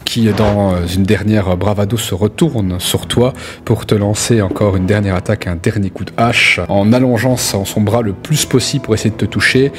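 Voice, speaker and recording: A man's voice: fairly low pitch, steady tone, normal speed, a little hiss or hum. A man improvising vivid, casual narration as the game master of a tabletop role-playing game. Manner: vivid descriptive storytelling with casual asides.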